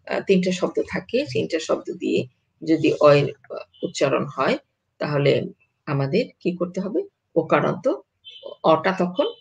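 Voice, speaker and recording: A language teacher giving an online pronunciation lesson, speaking haltingly with many "uh" fillers, repeating each example word and checking in with "yes?". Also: medium pitch, gravelly, poor audio. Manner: slow, halting delivery with frequent "uh" fillers.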